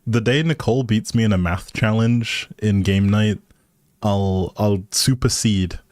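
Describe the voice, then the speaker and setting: A man's voice: on the low side, a little slow, darkish tone, no echo, studio quality. A man hosting a casual game livestream, talking to his viewers with playful, teasing informal banter.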